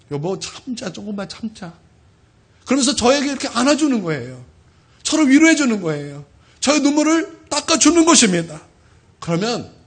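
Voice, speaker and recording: A man in his thirties preaching to his congregation as their pastor. His voice sits high and swings widely in pitch as he delivers a heartfelt, emotional testimony. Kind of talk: sermon.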